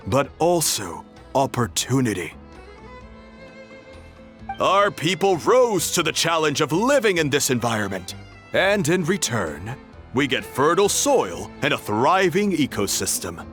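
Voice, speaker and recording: A man's voice: a little high, unhurried. A man playing a friendly, earnest and hospitable young tribal guardian in an anime game. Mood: proud, explanatory. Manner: friendly, expressive. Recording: music behind the voice.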